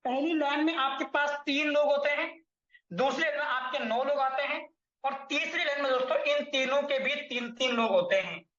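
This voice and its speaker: This speaker is a man with a very high, fairly bright voice who talks briskly. He presents and explains an earning plan, addressing viewers as friends over and over and correcting his own figures. The sound is dull and lo-fi, in an echoey room.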